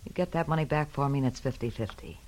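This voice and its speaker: A woman's voice: rumbling low, quick pace, a little mellow. An actress playing a sly, scheming young woman with a southern accent in a 1940s radio detective drama. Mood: sly, coaxing. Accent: American South.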